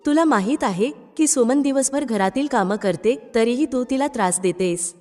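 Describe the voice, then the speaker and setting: A woman's voice: on the high side, expressive, moderate pace, mellow, close to an everyday voice. A woman narrator voicing a tired, easily swayed grown son in a storybook, keeping her own plain voice. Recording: long reverb with background music.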